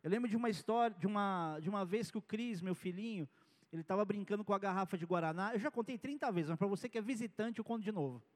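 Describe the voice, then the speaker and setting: High-voiced male preacher in a reverberant hall. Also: fast. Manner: conversational preaching with personal anecdotes. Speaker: pastor. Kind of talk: sermon.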